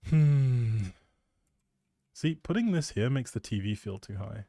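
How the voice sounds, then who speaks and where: Male streamer, soft mellow tone, casual teasing ramble, close dry mic. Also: medium pitch, lively intonation, takes it slowly, dry recording. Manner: playful, teasing, thinking aloud. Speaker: live streamer.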